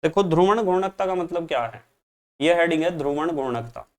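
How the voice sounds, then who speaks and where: A man's voice: a little high, lively intonation, a little fast. A man teaching a chemistry lesson, patiently repeating each key term for his students. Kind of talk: classroom lecture.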